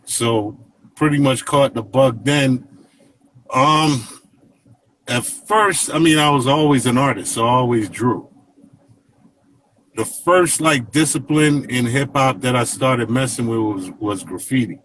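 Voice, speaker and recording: A man in his fifties from Jamaica, telling stories as an interview guest in a relaxed, rambling way, full of fillers. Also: medium pitch, unhurried, low-quality recording. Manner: relaxed, rambling, many fillers and "you know what I mean". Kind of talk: casual interview storytelling.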